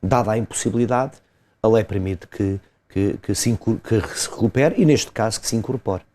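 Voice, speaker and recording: A man, a lawyer explaining a legal case step by step in an interview, pausing and hesitating often. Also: lowish voice, dark tone, a little hiss or hum. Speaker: lawyer commenting as guest.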